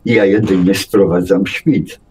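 A man's voice: sits low, steady tone, unhurried, dark tone, rough recording. A man in a philosophical conversation, speaking earnestly and searching for his words as he goes. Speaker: guest presenting texts.

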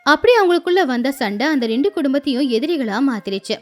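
A woman storyteller giving an expressive scripted narration of a bedtime moral story. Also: high-pitched, fast talker, faint music behind.

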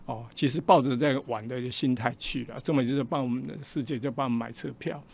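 A man's voice: mid-range voice, fast, gravelly. An older man with a Taiwanese Mandarin accent, a radio interview guest telling a personal story and acting out the quoted dialogue in changing voices. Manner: animated, acts out quoted dialogue with shifting voices.

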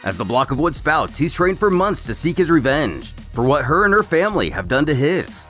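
Lively male narrator over music. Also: fairly high pitch, moderate pace. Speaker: YouTube narrator and host. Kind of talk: scripted story recap narration.

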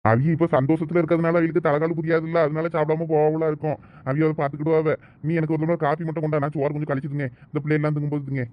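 Rapid-talking man with Thoothukudi Tamil accent. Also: on the high side, flat delivery, dry recording, muffled recording. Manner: bossy, scolding husband talk. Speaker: village comedy skit actor. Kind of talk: village comedy skit dialogue.

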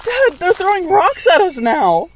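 A woman playing an excitable young daughter in a radio drama, exclaiming dramatically. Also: very high-pitched, measured pace, slight background noise, heavily acted. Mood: frightened. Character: excitable young daughter, frightened and awed in the woods.

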